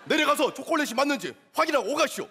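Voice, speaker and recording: A fawning North Korean soldier. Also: male voice, extremely high pitch, racing, full character voice. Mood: wheedling. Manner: flattering, sing-song, shouty. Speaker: comedian. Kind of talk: stage sketch comedy. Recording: live audience noise. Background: studio audience.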